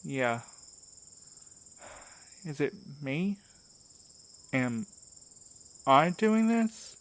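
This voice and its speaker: An actor playing a blunt, impatient courier who talks curtly and casually in an audio drama. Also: male voice, on the high side, big pitch swings, extremely slow, fairly bright tone, heavily acted. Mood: shaken, weary. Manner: casual, curt talk. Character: blunt, impatient, sweary male courier under strain.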